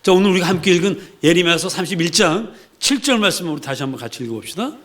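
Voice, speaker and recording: A man's voice: high voice, expressive, fast, fairly bright tone. A man preaching a sermon in a conversational way, asking the congregation questions and acting out the voices of the people he quotes. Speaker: pastor.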